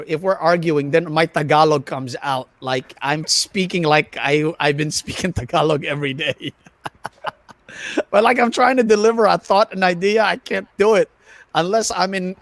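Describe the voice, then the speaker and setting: A man with an American accent speaks in a fairly high voice with very little room sound. He chats casually and with animation, as if on a livestream. He pokes fun at himself and halts a little when he switches languages. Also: dry recording. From United States, of Filipino family. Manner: animated, self-deprecating, halting when switching into Tagalog. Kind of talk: casual livestream chat mixing English and Tagalog. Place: online video livestream.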